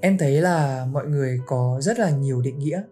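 A woman hosting a casual podcast, telling a story about a friend with lively quoted lines. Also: rumbling low, fairly quick, faint music behind. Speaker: podcast host.

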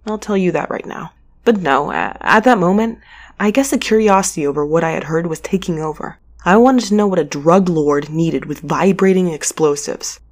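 A woman playing an anxious, stubborn, sharp-tongued space courier in an audio drama, talking in a halting, wry, conversational way. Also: lowish voice. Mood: wry, confiding. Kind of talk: audio drama acting with confiding narration.

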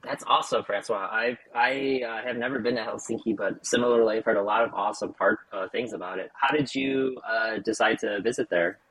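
A man's voice: fairly low pitch, steady tone, a little fast, few pauses, fairly bright tone, a little hiss or hum, poor audio. An American man hosting a podcast, chatting casually with lots of fillers and small talk. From United States. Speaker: podcast host. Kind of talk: casual interview chat. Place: Chicago.

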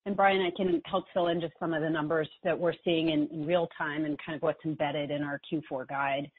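A woman executive speaks in a low, slightly husky voice over a narrow phone-like call line. She walks through financial results in a measured, businesslike way. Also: fairly even intonation. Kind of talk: earnings call commentary, explanatory. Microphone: conference call line.

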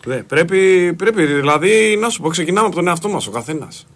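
A man's voice: fairly high pitch, animated, fairly bright tone. A man calling in to a radio show, speaking indignantly and correcting himself mid-phrase. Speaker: caller.

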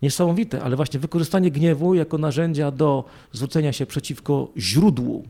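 A man with a dark, gravelly voice talks through a spiritual theme in easy conversation. He keeps checking in with a tag question after nearly every phrase, and retells stories in an animated way. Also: a little high, a little fast. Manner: animated retelling with acted quotes. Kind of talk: casual religious discussion.

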